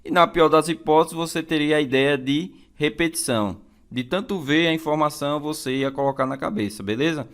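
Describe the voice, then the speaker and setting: A man's voice: a little high, brisk, hardly any pauses. A man with a Brazilian accent teaching an exam-prep lesson in a didactic way, repeating key phrases and checking in with listeners.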